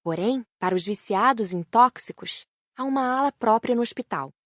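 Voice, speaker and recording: A woman's voice: a little high, normal speed, a bit bright, no echo, studio quality. A woman reading scripted first-person audiobook narration.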